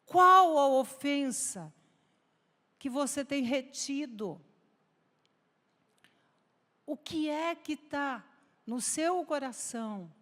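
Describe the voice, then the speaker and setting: Brief: woman pastor from Brazil, high voice, emotional testimony building to fervent preaching, church reverb. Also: animated, very slow, pauses often, fairly bright tone. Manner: emotional storytelling, rising to fervent exhortation. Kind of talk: sermon with personal testimony. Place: large church hall.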